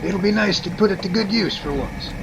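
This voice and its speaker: A man's voice: high voice, brisk, gravelly, dull audio, noisy background. A man playing a chatty, folksy professor who explains things at length in an amateur radio drama. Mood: pleased.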